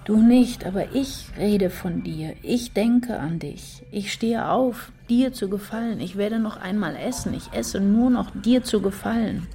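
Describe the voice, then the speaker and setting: A woman's voice: mid-range voice, a little slow, hardly any pauses, dark tone, close to an everyday voice. An actress playing an anguished woman writer in a literary radio drama, intense and introspective in a poetic delivery. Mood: resigned devotion. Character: anguished, brooding woman writer losing her sense of self.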